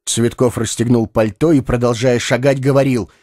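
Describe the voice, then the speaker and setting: A man calmly narrating a classic short story as an audiobook reader. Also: medium pitch, moderate pace, no room sound, studio quality. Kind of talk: scripted literary narration.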